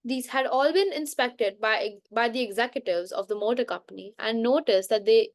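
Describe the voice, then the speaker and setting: A fairly high-pitched woman reads a book aloud in a relaxed bedtime session. She stumbles and restarts words now and then and coughs occasionally. The sound is dry and close, with little room echo. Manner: halting reading with frequent restarts and self-corrections. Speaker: book reader. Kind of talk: unscripted bedtime book reading.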